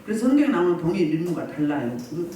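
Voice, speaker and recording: Preaching at a healing service in a church meeting room, a woman pastor talks at great speed and acts out crowds and quotations with wide swings in pitch. A distant mic picks her up amid strong reverberation and faint noise.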